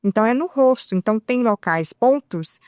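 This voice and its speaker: A woman with a Brazilian Portuguese accent, a talk show guest, explaining lively and demonstrating examples as she talks. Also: a little high, moderate pace, clear, resonant tone, no echo, studio quality. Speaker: guest, sign language interpreter.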